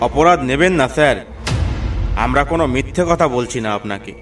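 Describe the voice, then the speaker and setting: A man's voice: medium pitch, animated, fairly quick, far from the mic, music in the background, lightly acted. A man voicing an anxious village man in a cartoon, pleading and fearful.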